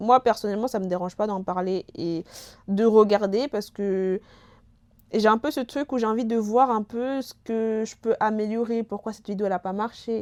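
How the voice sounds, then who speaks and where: Loudness rises and falls sharply at a moderate pace, with fairly even intonation, a dry, close sound with no echo and a quiet background. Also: woman, fairly high pitch for a woman. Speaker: YouTuber, pop culture creator. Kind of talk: casual vlog chat. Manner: hesitant, many fillers.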